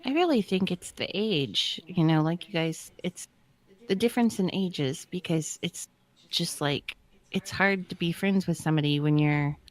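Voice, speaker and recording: A woman's voice: lowish voice, normal speed. A woman chatting casually as a panelist on a podcast. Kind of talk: casual chat.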